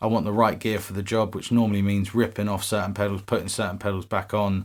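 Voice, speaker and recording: In a very clean recording with a silent background, a man talks in a flat monotone at a fairly low pitch. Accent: British. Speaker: guitarist and gear reviewer. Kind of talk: casual video vlog.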